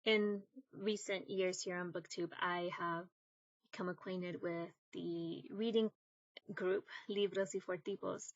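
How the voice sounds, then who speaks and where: Gravelly-voiced woman from northern Mexico chatting to camera. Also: on the low side, steady tone, dry recording, highs cut off. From Monterrey, northern Mexico. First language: Spanish. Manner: thoughtful, unhurried, with many ums and pauses. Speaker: booktuber. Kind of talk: casual talk to camera.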